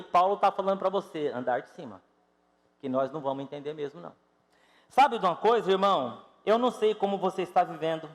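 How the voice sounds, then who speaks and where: A fifty-something Brazilian pastor preaches with a slightly high-pitched voice, calling out to the congregation and then dropping to near-murmurs. His voice rings with the long reverb of a church hall. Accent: Brazilian Portuguese. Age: 50s. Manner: emphatic, rises and drops sharply in loudness, addresses congregation directly. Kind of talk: sermon. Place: church sanctuary.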